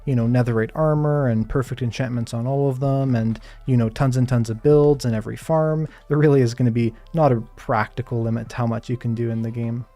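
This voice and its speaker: A man giving calm, soft-spoken live gameplay commentary while answering chat questions, with plenty of hedges and fillers. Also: medium pitch, brisk, hardly any pauses, soft background music. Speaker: Minecraft streamer.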